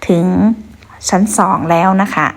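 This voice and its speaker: Chatty woman giving a pagoda tour. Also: measured pace. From Kengtung, Shan State, Myanmar. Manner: chatty, addresses viewers, many soft polite particles. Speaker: vlog host. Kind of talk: walking tour narration. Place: outdoors at a hilltop pagoda.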